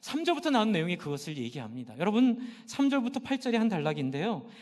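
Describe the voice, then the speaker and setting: A middle-aged male pastor delivers a passionate sermon in a church sanctuary, asking the congregation questions and then answering them himself. His voice sits high and a little mellow, very animated and quick, with long hall reverb around it.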